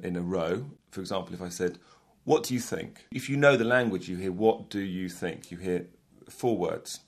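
Low-voiced male English teacher explaining. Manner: measured, demonstrates phrases. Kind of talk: explanatory interview.

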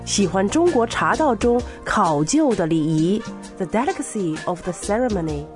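Lively-pitched woman teaching vocabulary. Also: normal speed, faint music behind. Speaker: co-host explaining words in Chinese. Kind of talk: scripted bilingual lesson presenting.

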